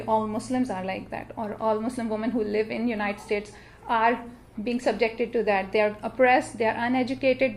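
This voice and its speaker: A middle-aged woman with a Pakistani accent, Urdu her first language, speaks at a symposium in a church hall. Her voice sits a little high, and she talks earnestly, stopping often to restart and fill pauses. A faint noise runs underneath. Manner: earnest, halting, many fillers and restarts. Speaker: panelist. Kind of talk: panel talk at an interfaith symposium.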